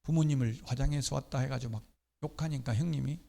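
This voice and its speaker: A middle-aged man gives an exam-prep lecture on real estate law, explaining points clearly and slipping in casual personal asides. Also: medium pitch, fast, mellow. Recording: long hall reverb.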